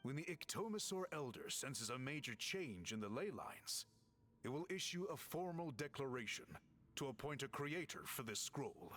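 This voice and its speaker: An actor playing a tall, courteous tribal chief in a video game, formal and measured with slight hesitations. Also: male voice, medium pitch, big pitch swings, fairly bright tone, a little hiss or hum. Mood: explaining solemnly. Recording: faint music behind.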